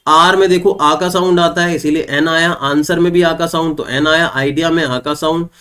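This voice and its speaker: A young man leads an English grammar session for students preparing for exams online; his voice is a bit higher than the typical male range, steady and fairly bright. Step by step he moves through the examples, asking himself questions and supplying the answers. The English sentences he reads aloud come out slow and clear.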